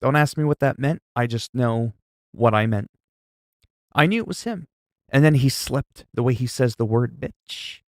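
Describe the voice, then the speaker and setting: Loud, profane mock-stern streamer man. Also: mid-range voice, lively intonation, moderate pace, no echo, studio quality. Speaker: livestream host. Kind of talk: casual livestream chat.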